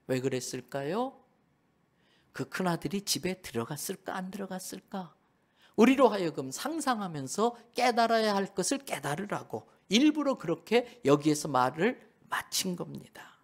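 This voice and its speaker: High-voiced male pastor preaching. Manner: animated storytelling with rhetorical questions. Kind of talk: sermon.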